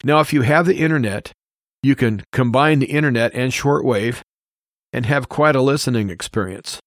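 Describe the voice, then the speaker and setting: A man's voice: medium pitch, moderate pace, no echo. American man, dry close-sounding radio monologue. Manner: earnest, plain-spoken, repeats points for emphasis. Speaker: radio show host. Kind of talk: informal opinion monologue on a radio show.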